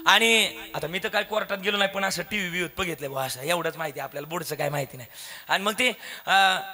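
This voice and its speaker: Bright high-voiced male kirtan preacher. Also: fast talker. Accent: Marathi. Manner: dramatic, acts out voices of characters, breaks into song. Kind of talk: devotional storytelling sermon with sung verses.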